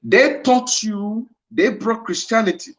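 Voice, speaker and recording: In a high, slightly bright voice, the man lectures unhurriedly yet with passion, his Nigerian Igbo accent clear as he repeats phrases for emphasis. The livestreamed address comes through dull lo-fi audio.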